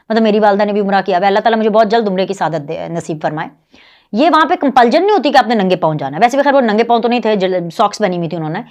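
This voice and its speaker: A woman in her thirties with a Pakistani Urdu accent, hosting her own show and delivering a heated, mocking political monologue. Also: fairly high pitch. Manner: scornful, mocking, animated. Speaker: political commentary show host.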